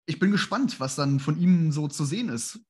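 A man's voice: fairly high pitch, animated, moderate pace, darkish tone, husky. A man in his thirties hosting a casual interview, phrasing things politely and tentatively. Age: 30s. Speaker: interviewer, host. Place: home room, indoors.

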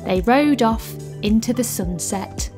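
A wry female cartoon narrator, played by a woman tells the story in a fairly high, lively voice. Music plays behind her. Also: takes it slowly. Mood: wry storytelling. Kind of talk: scripted comic cartoon narration.

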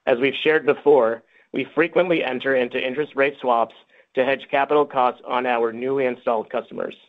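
A man's voice: medium pitch, fairly even intonation, brisk. Man reading financials over a phone-like line. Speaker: company finance executive. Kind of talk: scripted financial report. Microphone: conference call line. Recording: tinny, phone-like conference call audio.

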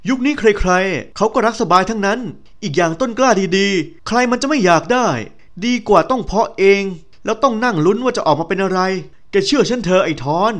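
Male reader doing a high, lively, teasing young friend, bright and chatty. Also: a little fast, hardly any pauses. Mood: confident.

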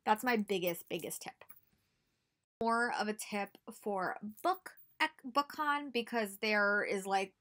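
A young American woman, a book vlogger, speaks slowly in a sharp, medium-pitched voice. She gives chatty, casual advice to camera in a small home room, emphatic and repeating words for emphasis.

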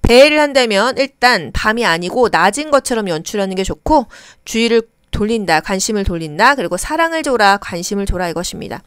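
A woman's voice: medium pitch, a little fast, hardly any pauses, clear, resonant tone, dry recording, studio quality. A woman lecturer teaching exam questions for care worker training, acting out the quoted lines of patients as she goes. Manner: lively, acts out patient quotes.

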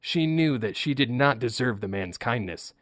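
A man playing a storybook narrator, with a measured, theatrical delivery in a scripted radio comedy sketch. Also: medium pitch, expressive, no room sound, clean studio sound, lightly acted. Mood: storytelling. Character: storybook narrator who meddles in his own tale.

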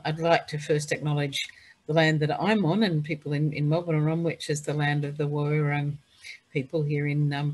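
An older woman hosting an online webinar, introducing the speakers in a brisk, friendly way with jokey asides. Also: deep voice. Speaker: host and moderator. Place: home room on a video call. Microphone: video call.

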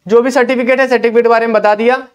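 A young man's extremely high, steady, clear and resonant voice races along, with the highs cut off, as he coaches exam candidates at a whiteboard in an indoor classroom. Recorded on a lapel mic, his instructive lesson is dotted with frequent "theek hai" (ठीक है) check-ins.

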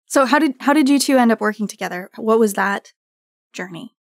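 A woman's voice: fairly high pitch, expressive, fairly quick, dry recording, clean studio sound. A woman hosting a roundtable show, introducing and interviewing guests in a presenter's style. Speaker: host, associate producer and voice actor. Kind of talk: scripted podcast intro and interviewing.

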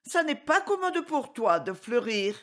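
A woman voicing a weary old peasant woman in a storybook reading, with shrill, high-pitched cries. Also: big pitch swings, measured pace, fairly bright tone. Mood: marveling.

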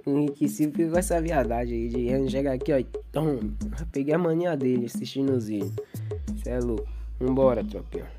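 A man's voice: mid-range voice, a little fast. Slangy Brazilian young man with music behind. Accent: Brazilian Portuguese. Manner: slangy, rambling, hypes up the viewers. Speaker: gaming YouTuber. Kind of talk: casual gameplay commentary. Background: game music.

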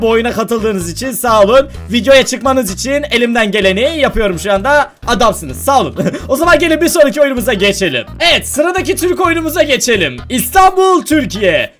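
A young man narrating his gameplay in a very high voice that leaps all over the place. He is playful and laughs easily, with faint game music running underneath. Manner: playful, shouts and laughs when startled. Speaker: gaming video creator. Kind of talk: excited gameplay commentary.

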